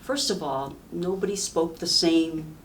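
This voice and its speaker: Elderly woman reminiscing haltingly, recorded from afar. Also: deep voice. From rural southern China. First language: Sayep village dialect of Chinese. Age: 70s. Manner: halting, reflective reminiscing with frequent pauses. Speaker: oral history interviewee. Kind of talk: reminiscing life-story interview. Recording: distant mic with faint background noise.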